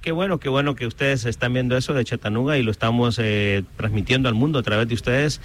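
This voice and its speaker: A man's voice: mid-range voice, fast. A man from Honduras, a guest in an interview, speaking plainly with frequent hesitations. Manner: affirming, plain-spoken, hesitant fillers. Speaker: guest, local Spanish-language media director. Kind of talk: casual interview.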